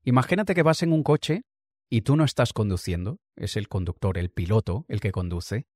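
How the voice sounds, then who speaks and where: This man's voice sits on the low side with a darkish tone and a moderate pace as he delivers a reflective, conversational motivational monologue. He draws on personal examples and laughs lightly at times, recorded clean in a studio with no echo.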